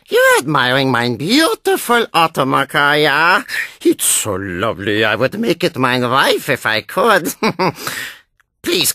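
A performer voicing an excitable, melodramatic male German racer who adores his car, in a video game, with a German accent and theatrical exclamations. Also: medium pitch, dry recording, clean studio sound, exaggerated voice. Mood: gushing, excited. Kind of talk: video game character acting.

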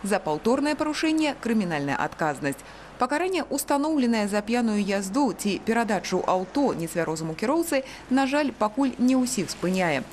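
A woman with a Belarusian accent narrates a local news story, her voice sitting a little high and moving a lot in pitch. The delivery is measured and scripted, with a faint hiss underneath. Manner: measured, lively newsreader delivery. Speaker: news reporter.

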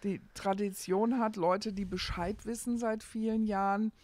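A woman's voice: mid-range voice, fairly even intonation, unhurried, a little mellow, no echo. A middle-aged woman, talking conversationally as an interview guest and searching for her phrasing as she goes. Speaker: hotel owner, interview guest.

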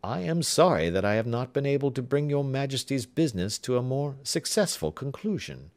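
A man's voice: mid-range voice, very animated, fairly quick, darkish tone, pitched above the performer's own voice. A man reading as a cool, precise detective, formal and restrained.

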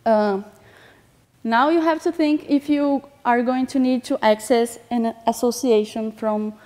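A woman's voice: fairly high pitch, a little slow, darkish tone. A young woman from Brazil with a Brazilian Portuguese accent, giving a conference talk in a large hall, earnest and a little nervous, with frequent "um"s. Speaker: conference speaker.

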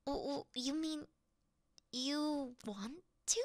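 A woman's voice: high-pitched, slow pace, dry recording, studio quality. A woman voicing a clumsy, easily scared young female thief who acts tough in an ASMR roleplay, flustered, pouty and stammering. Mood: whiny, anxious.

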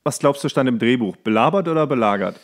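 A man's voice: medium pitch, animated, fast. A man chatting casually as a podcast host, making joking running commentary on a show he is watching.

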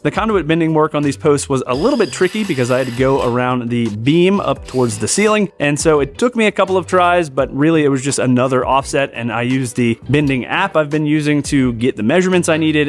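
A man's voice: mid-range voice, animated, a little fast, few pauses, faint music behind. A man in his thirties narrating his workshop build in a casual, practical way, chuckling at himself now and then, filmed in a large basement shop. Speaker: woodworking channel host. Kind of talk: DIY how-to narration.

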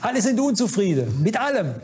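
A man's voice: high voice, very animated, brisk, darkish tone, a little hiss or hum. A man preaching a sermon at a conference, fervent and admonishing, speaking straight to his listeners. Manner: fervent, admonishing, addresses audience directly. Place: conference hall.

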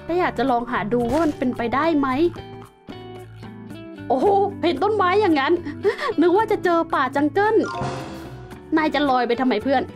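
A young woman with a high, bouncy voice gives chatty gameplay commentary, exclaiming and explaining as she explores. Background music plays steadily under her voice. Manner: chatty and exclamatory, talks to viewers while exploring. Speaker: game host. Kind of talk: casual Let's Play commentary.

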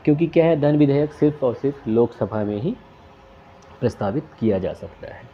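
Man, quiz tutor, methodical, steady mid-pitched voice, slightly dull lo-fi recording, faint hiss. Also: fairly quick. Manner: methodical, reads each question and options aloud then names the answer. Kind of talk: exam question walkthrough.

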